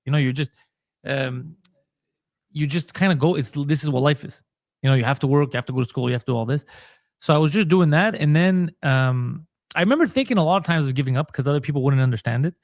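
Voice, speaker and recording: A man's voice: fairly high pitch, fast talker, dry recording, clean studio sound. A comedian and podcaster from Montreal, a man, telling his story in a casual interview and acting out the dialogue he quotes. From Montreal, Canada.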